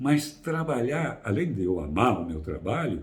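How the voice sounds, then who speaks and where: A man talks at a fairly slow pace with vocal fry and a dark, mellow tone. Audible room echo surrounds his voice. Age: 60s. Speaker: psychiatrist. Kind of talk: motivational talk. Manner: animated.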